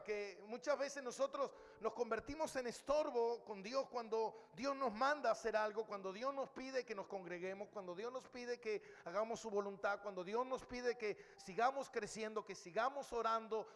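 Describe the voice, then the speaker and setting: High-voiced emphatic preaching pastor man. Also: fairly bright tone, big-room sound. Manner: emphatic preaching, addresses listeners as brother. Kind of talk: sermon. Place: church hall.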